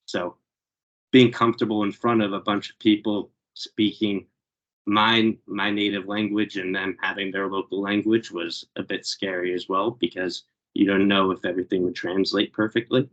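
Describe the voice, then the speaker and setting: Guy telling a travel story on a video call, kinda low voice, dull audio. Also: flat delivery, moderate pace, a bit bright. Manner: reflective, with fillers and restarts. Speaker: meeting speaker. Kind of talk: personal story told to a group.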